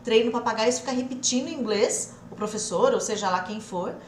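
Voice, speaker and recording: A young Brazilian woman teaches English in a live stream, her voice a little high and full of energy. She slows down to drill phrases and pushes the audience to answer aloud. The room is echoey, with a faint hiss behind her. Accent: Brazilian Portuguese. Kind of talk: live online English lesson.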